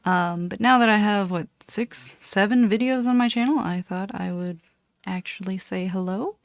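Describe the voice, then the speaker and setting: A woman in her late thirties, originally from Costa Rica with Spanish as her first language, chatting casually and rambling as she introduces her channel from a dark room at home. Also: mid-range voice, moderate pace, dry recording, studio quality. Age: 30s. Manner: meandering, self-correcting, chatty. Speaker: cross-stitch vlogger.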